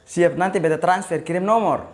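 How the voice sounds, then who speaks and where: A man's voice: sits high, brisk, very noisy. A young man from eastern Indonesia with an Ambonese Malay accent, hosting prank calls in casual, playfully insistent banter. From Maluku, eastern Indonesia. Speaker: prank-call host. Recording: music playing behind.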